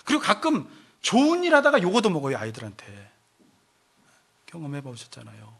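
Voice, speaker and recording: 교회에서 설교하는 남성 목사로, 인용하는 말투를 연기하듯 흉내 내며 생동감 있게 말한다. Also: male voice, a little high, fairly quick, gravelly. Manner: animated preaching, acts out quoted voices. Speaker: pastor. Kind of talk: sermon. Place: church sanctuary.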